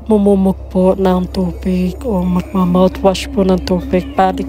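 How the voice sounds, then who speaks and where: A woman with a Filipino accent doing casual vlog chat as a mother, slipping easily between languages. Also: fairly low pitch. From Philippines. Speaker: vlogger and mother.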